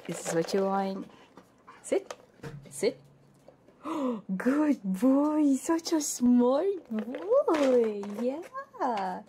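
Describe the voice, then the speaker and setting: A woman's voice: high voice, big pitch swings, extremely slow, long pauses. A woman livestreamer chatting casually and playfully, often dropping into a whisper, with a giggly, doting way of talking as if to pets. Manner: giggly, doting and playful, cooing to pet dogs. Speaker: livestreamer, ASMR VTuber. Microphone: binaural 3Dio ASMR microphone. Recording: faint background noise, live stream.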